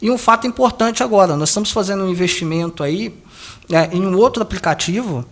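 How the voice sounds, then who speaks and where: With a high voice and a fast delivery, a Brazilian Portuguese-accented political analyst gives explanatory interview answers about polling methods. His explanations run long, broken by frequent restarts and tag questions.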